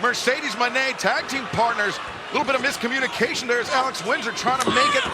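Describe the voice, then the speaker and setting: A man doing play-by-play commentary on a live wrestling match, excited and often shouting his calls. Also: extremely high pitch, fairly quick. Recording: loud arena crowd behind. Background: roaring crowd and loud arena noise.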